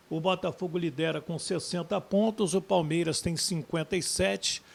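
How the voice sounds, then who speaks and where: A man's voice: fairly high pitch, vocal fry. A man hosting a football news vlog, addressing viewers directly in a folksy way. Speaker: sports YouTube host.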